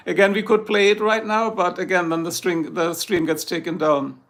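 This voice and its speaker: A middle-aged man from Germany with a German accent, hosting a livestream in a joking, rambling chat with viewers, hoarse and losing his voice. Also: high voice, level tone, normal speed, fairly bright tone. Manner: joking, chatty, reads out viewer comments. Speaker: livestream host.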